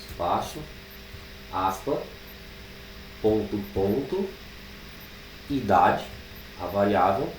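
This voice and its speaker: A Brazilian man teaching programming, thinking aloud as he types code, with drawn-out fillers. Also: on the low side, far from the mic. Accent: Brazilian Portuguese. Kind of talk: live coding class. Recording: echoey room, speaker away from the mic, faint background noise.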